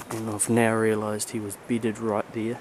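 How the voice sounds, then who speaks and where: Against light background noise, a man speaks at a fairly low pitch with monotone, flat intonation, and the sound is dry with no echo. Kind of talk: casual vlog narration. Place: forest. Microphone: phone near.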